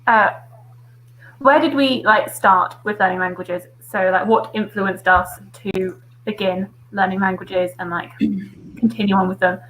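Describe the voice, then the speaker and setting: A woman's voice: mid-range voice, fairly even intonation, a little slow, a bit bright, low-quality recording. A woman hosting a casual video-call discussion, chatty, with a lot of "like" fillers. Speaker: host.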